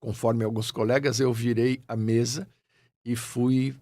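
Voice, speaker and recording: An older man from São Paulo with a São Paulo accent, chatting as a guest in a relaxed, reflective interview. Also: mid-range voice, a little slow, dry recording, studio quality. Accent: São Paulo Portuguese. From Brazil (São Paulo). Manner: warm, reflective, grateful. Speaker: guest, actor. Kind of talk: casual interview chat.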